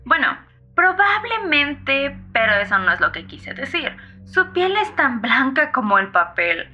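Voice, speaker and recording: An actress playing a feisty, fearless, irritated 911 caller in a horror audio story, brash and mocking, heard through a phone filter. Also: female voice, sits high, big pitch swings, unhurried, bright, forceful tone, a little hiss or hum, full character voice. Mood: dismissive, mocking. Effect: phone-line filter. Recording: thin band-limited phone sound.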